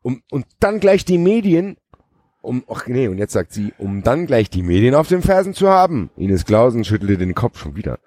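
A man's voice: medium pitch, big pitch swings, normal speed, darkish tone, dry recording, studio quality. A man reading a crime novel aloud on a podcast, stumbling over words and laughing at the text. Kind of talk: casual reading with jokey asides.

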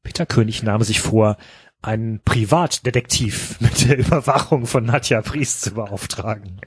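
Husky man reading a novel with playful voices. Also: on the low side, normal speed, no room sound, clean studio sound. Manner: reads with playful voices for the characters, breaks off to joke and laugh. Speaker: podcast co-host reading a novel aloud. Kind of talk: casual chat with dramatized reading.

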